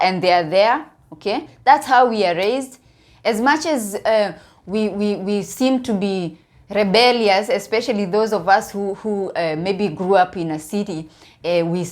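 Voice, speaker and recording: An online video commentator from Kenya, a woman, chats casually with viewers about what she thinks, in a halting way that leans on repeated words for emphasis. Her voice is mid-range with a darkish tone and a Kenyan accent.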